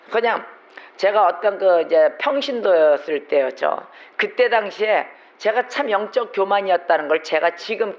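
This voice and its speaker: A man with a notably high voice preaches in church, pressing his points with one rhetorical question after another. The recording sounds dull and lo-fi, muffling the top end. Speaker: pastor. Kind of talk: sermon. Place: church sanctuary.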